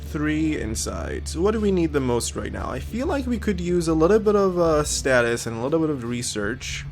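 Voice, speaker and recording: A man hosts a let's-play video, a little sniffly from a cold, thinking aloud and reading game text with plenty of ums. His slightly high voice is very animated and creaky, delivered at a moderate pace over faint music.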